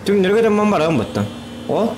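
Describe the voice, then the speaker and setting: A man's voice: sits high, big pitch swings, moderate pace. A man giving casual live gameplay commentary, muttering remarks to himself as he plays. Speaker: game streamer. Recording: game noise and engines behind the voice.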